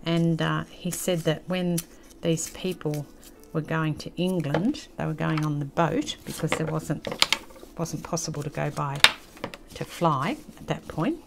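A woman's voice: low-pitched, measured pace, creaky, heavy background noise. An older woman with an Australian accent, chatting casually and reminiscing as she hosts a craft tutorial at a table. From country New South Wales, Australia. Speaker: craft channel host.

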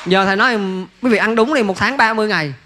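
A man's voice: high-pitched, rapid-fire, noisy background. A man, a monk giving a folksy dharma talk that keeps asking listeners rhetorical questions. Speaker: Buddhist monk teacher.

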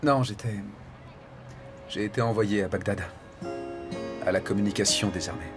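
A man plays a courteous ex-army driving instructor in his thirties, earnest and polite. His voice sits a little low, with music under him in the film mix. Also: normal speed, natural voice. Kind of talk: French dub of a TV film.

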